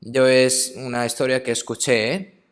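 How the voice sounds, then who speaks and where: This man's sermon sounds like conversation, sprinkled with short questioning tags, and he softens and slows whenever he shifts into a story. His pitch is medium and his delivery flat.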